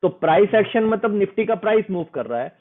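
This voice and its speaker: A man explains a trading method in an interview. He is earnest and persuasive, and he slips English phrases into his talk. His voice sits fairly high and comes through a thin, phone-like line. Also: expressive, fairly quick. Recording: tinny phone-like sound.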